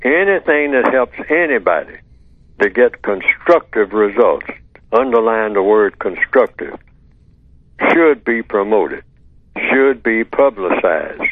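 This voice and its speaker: An older man on a call-in radio show, explaining his ideas in a measured way and repeating key words for emphasis. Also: fairly low pitch, sing-song. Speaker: radio show guest answering callers. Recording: tinny phone line, dry.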